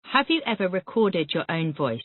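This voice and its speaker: The speaker, an English teacher, reads vocabulary aloud and fires short repetitive questions in a Callan method drill. The mid-range voice swings widely in pitch, and the dry audio has a tinny, phone-like quality.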